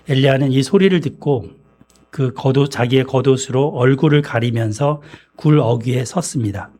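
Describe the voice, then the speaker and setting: A man preaching a sermon in a church, speaking in a measured way and often clearing his throat. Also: medium pitch, a little mellow. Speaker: pastor.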